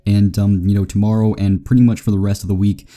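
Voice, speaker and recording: A man who is sick and a little raspy, chatting casually to his viewers in a rambling vlog update over gameplay footage. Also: lowish voice, little pitch movement, fast, warm tone. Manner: rambling, chatty, many fillers. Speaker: gaming YouTuber.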